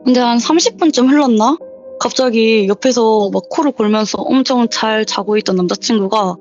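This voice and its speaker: Young woman, slightly high voice, chatty storyteller who acts out the dialogue; dull lo-fi recording with faint music behind. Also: moderate pace, a little mellow. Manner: chatty, acts out the quoted lines with sudden rises in pitch. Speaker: guest telling a viewer's true horror story. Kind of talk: casual spoken storytelling in an interview.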